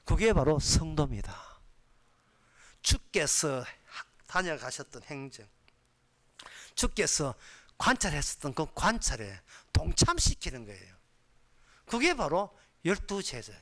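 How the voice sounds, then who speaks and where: A man's voice: fairly high pitch, big pitch swings, measured pace, long pauses, a bit bright. A man preaching a Wednesday sermon as pastor, explaining step by step and building to fervent, emphatic stretches, often cutting himself off to restart a word. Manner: emphatic, rising to fervent intensity; explanatory, with frequent self-corrections.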